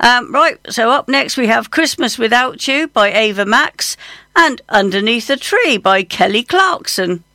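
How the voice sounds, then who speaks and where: A woman with a British accent speaks at a fairly slow pace in a high, bright, sharp voice with very even loudness. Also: lively intonation, dry, close sound with no echo. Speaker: community radio presenter. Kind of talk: radio DJ patter, warm and chatty, introducing songs and giving station details. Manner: friendly, chatty, fond and informal, with a homely, affectionate tone.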